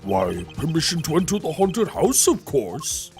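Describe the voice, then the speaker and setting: A woman voicing a smug, pompous wealthy older man who talks in a slow, gloating way. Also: deep voice, huge pitch swings, darkish tone, faint music behind, exaggerated voice. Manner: slow, gloating, drawn-out delivery.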